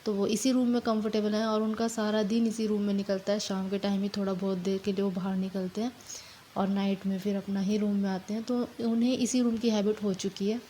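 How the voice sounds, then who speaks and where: A young woman with a hoarse voice from a fever and sore throat, talking casually and haltingly in a home vlog while doing housework. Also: mid-range voice, flat delivery, warm tone, slight background noise. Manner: tired, halting, apologizing for her voice. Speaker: family vlogger.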